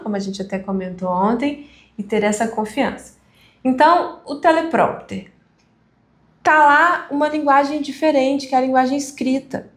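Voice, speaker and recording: A woman instructor giving a live online class on speaking, conversational with deliberate pauses. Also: on the high side, echoey room. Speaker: communication instructor.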